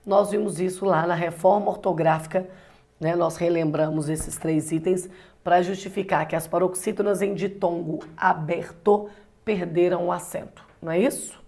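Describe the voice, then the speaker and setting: Woman from Brazil, lower register, teacher explaining exam items with frequent check-in questions. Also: fairly even intonation, normal speed, a little mellow. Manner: explanatory, asks rhetorical questions, frequent tag "né". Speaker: Portuguese teacher. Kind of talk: exam-prep lecture.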